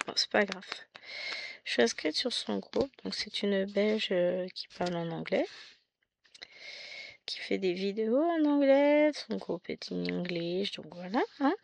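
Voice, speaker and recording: A woman's voice: mid-range voice, gravelly, a little hiss or hum. A middle-aged woman from France chatting casually about her stitching, rambling and poking fun at herself. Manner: chatty, rambling, self-mocking with many asides and restarts. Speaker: cross-stitch vlogger. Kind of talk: casual chat.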